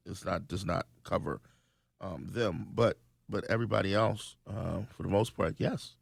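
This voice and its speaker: An earnest man speaking as a radio studio guest, often restarting his sentences. His low voice has a gravelly edge, and the recording is close and dry. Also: normal speed, no room sound. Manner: earnest, many ums and restarts. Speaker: state legislator guest. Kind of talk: conversational radio interview.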